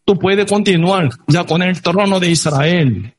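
A man's voice: high-pitched, measured pace, a little hiss or hum. A man doing an eager young soldier. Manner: eager, urging. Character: eager male soldier ready to strike.

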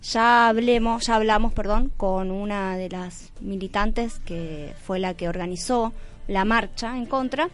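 A woman's voice: mid-range voice, measured pace. A woman hosting a radio show in a casual, chatty style. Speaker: radio host.

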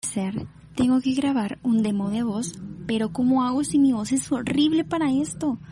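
A woman's voice: high-pitched, steady tone, moderate pace, noisy background. A woman voice actor acting out a demo reel, shifting from chatty sketch lines to formal news and radio reads. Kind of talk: voice demo with skits, newsreading, ad and radio host.

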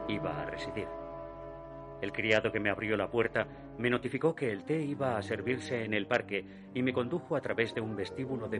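An actor playing a man in his thirties who recounts a recurring nightmare, narrating a radio drama in a measured, hushed way that sinks almost to a whisper at the darkest moments. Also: fairly low pitch, close to an everyday voice. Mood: grave. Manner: measured, hushed storytelling that drops to a near whisper at dark moments. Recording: narration over music. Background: music.

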